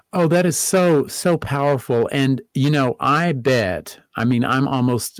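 An unremarkable speaking voice from a man with an American accent, medium pitch, ordinary pitch variation and a fairly slow pace, in a very clean, silent recording with a dry, close sound and no echo. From Texas. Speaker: Bible teacher and former voiceover artist. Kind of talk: casual interview chat.

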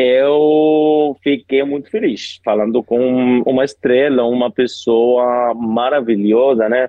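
At a very slow pace with hardly any pauses, a man speaks at a medium pitch, with fairly even intonation and very even loudness. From Egypt. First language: Arabic (speaking Portuguese). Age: 30s. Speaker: language learner. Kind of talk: casual chat.

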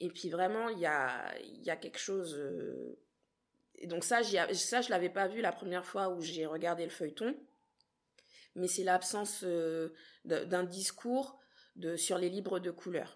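A woman speaks with ordinary pitch variation, leaving long, frequent pauses. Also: medium pitch for a woman, fairly slow pace. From Guadeloupe. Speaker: podcaster. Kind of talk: interview.

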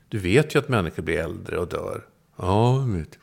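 The man has an ordinary speaking voice. He talks at a moderate pace with lively intonation. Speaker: podcast guest. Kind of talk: casual chat. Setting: at home.

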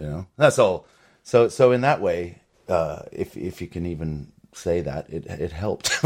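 A man with a Canadian accent talks at a moderate pace, his loudness swinging widely. The recording is very clean, with a silent background. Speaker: comedian. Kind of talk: casual chat. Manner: halting.

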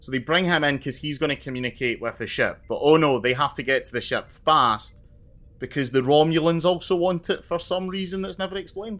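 With music playing in the background, a man with a fairly high pitch talks at a fairly quick pace with ordinary pitch variation. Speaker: podcast co-host.

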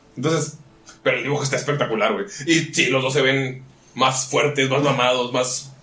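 A man talks at a moderate pace, his voice carrying audible room echo and noticeable background noise. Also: medium pitch for a man. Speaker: podcast host and tabletop role-playing game master. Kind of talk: casual chat and game narration. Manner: animated.

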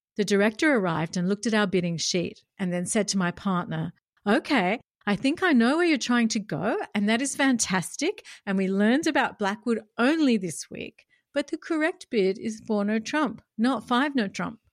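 With lively intonation and a fairly high pitch, a woman with an unremarkable speaking voice talks at a moderate pace in a dry, close sound with no echo and a very clean recording with a silent background. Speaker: podcast host and bridge player. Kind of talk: casual chat.

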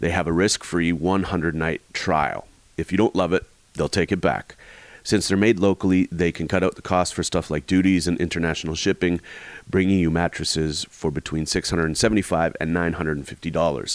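A man with a Canadian accent speaks at a very deep, low pitch with fairly even intonation. The very clean recording has a silent background and a dry, close sound with no echo. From Canada, Anishinaabe. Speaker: podcast host and comedian. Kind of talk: interview; read ad.

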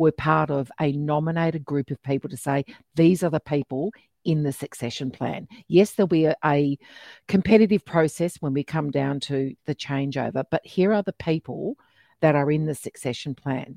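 A woman's very deep, low voice with an Australian accent, dark and mellow in tone, at a moderate pace with ordinary pitch variation, in a dry, close sound with no echo over a quiet background. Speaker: podcast co-host, leadership expert. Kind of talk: casual conversational podcast discussion. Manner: animated, jokey.

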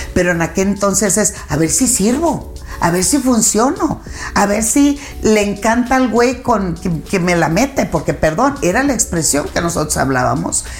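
The speaker uses a Sinaloan accent at a moderate pace, with very wide pitch swings but very even loudness. Noticeable background noise is present. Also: woman, medium pitch for a woman. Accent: northern Mexican (Sinaloa) Spanish. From Mexico, Sinaloa (Culiacán). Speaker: sexologist. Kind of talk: casual interview.

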